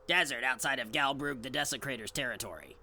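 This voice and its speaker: A woman's voice: rumbling low, quick pace, sharp tone, a little hiss or hum, heavily acted. A woman playing a sardonic, condescending flesh-eating demon in a comedic audio drama. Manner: sarcastic, condescending.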